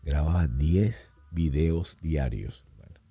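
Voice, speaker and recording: A man's voice: extremely low pitch, takes it slowly, husky, dry recording. A middle-aged man, a podcast guest, telling stories in casual conversation and slipping into voices and accents as he goes. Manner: animated storyteller who slips into voices and accents.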